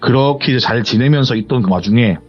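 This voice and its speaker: A man of medium pitch and quick pace relays a viewer's horror tale conversationally, rambling and animated and using hearsay endings throughout. Faint music can be heard under the muffled recording.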